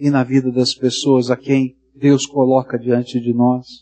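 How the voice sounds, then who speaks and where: Speaking at a fairly slow pace, a man talks with a Brazilian accent. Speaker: preacher. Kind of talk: sermon. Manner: expository, didactic; earnest, emphatic.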